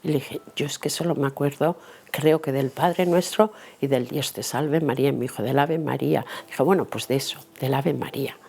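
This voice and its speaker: A woman's voice: very deep voice, moderate pace, creaky, darkish tone, breathy edge. A middle-aged woman tells a personal faith story, acting out the dialogue vividly. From Italy and Spain. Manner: vivid, acts out dialogue and inner thoughts. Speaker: interviewee giving a faith testimony.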